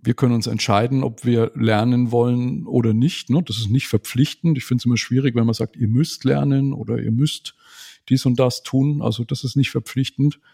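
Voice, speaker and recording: A man in his forties answering interview questions in a measured, reflective way. His voice has a gravelly edge and a dark, relaxed color. He often ends his points with a small questioning tag. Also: medium pitch. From Germany. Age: 40s. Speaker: podcast guest. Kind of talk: casual conversational interview.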